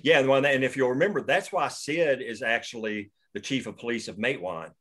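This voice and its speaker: A man's voice: medium pitch, a little fast, fairly bright tone. A man hosting a table read, talking casually about the script with many restarts, over a video call. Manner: rambling, with many restarts and fillers.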